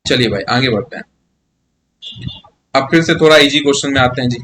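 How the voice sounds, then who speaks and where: Teaching maths live online, a man with a medium-pitched, fairly bright voice speaks briskly against slight background noise. He chats and coaxes his students along, frequently asking "yes or no?" to check they're following.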